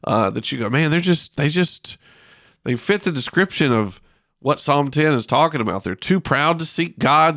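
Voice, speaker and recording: A man's voice: medium pitch, fairly bright tone, no echo, studio quality. Man with a congested, pinched-nose nasal voice. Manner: informal, self-deprecating, folksy. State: blocked sinuses. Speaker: Christian podcast host. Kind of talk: casual devotional podcast talk. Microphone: close podcast microphone.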